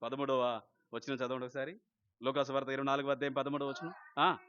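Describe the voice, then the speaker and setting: A man preaching an Easter sermon with passion, swinging from loud cries down to low, quiet lines. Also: little pitch movement, fairly quick, smooth, dull audio. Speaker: pastor. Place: prayer house.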